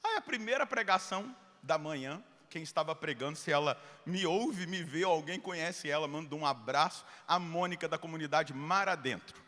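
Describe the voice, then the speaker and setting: Bright-voiced Brazilian priest preaching. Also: male voice, a little high, normal speed, hardly any pauses, long reverb tail. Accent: Brazilian Portuguese. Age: middle-aged. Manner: animated, acts out dialogue, swings from loud to hushed. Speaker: Catholic priest. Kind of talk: sermon with personal storytelling.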